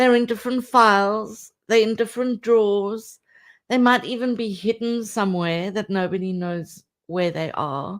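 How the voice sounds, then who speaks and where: A woman's plain, everyday voice, fairly high in pitch, with ordinary pitch variation at a moderate pace, on a very clean recording with a silent background. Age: 60s. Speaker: life and business coach. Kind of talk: radio interview.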